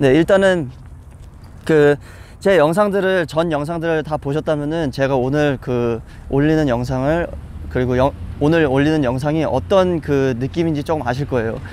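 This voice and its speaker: Speech moves at a moderate pace with ordinary pitch variation. The sound is dry with no echo, and light background noise is present. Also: man. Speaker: tennis coach. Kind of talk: tutorial. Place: open country. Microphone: lapel.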